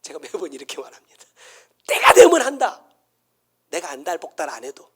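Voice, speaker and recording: A middle-aged man with a Jeolla Korean accent, preaching a sermon as pastor, dropping to hushed whispers and rising to shouts. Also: on the high side, wildly swooping pitch, brisk, slightly rough.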